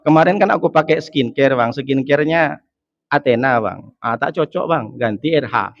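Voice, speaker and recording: A man's voice: medium pitch, animated, moderate pace, highs cut off, natural voice. A man voicing a nagging chatty wife. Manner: whiny, nagging, repeated "Bang". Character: chatty complaining wife, adult woman.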